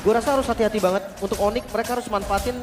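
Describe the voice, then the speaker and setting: A man's voice: sits high, fairly even intonation, rapid-fire. A man with an Indonesian accent giving analytical live commentary as co-caster of an esports match. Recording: loud music under the commentary.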